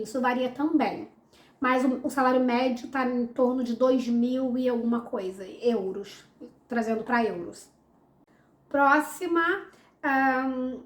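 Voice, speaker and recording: A woman's voice: high-pitched, roomy sound. A Brazilian woman with a Brazilian Portuguese accent, answering follower questions in a casual, upbeat vlog with many fillers. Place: home, room with a window.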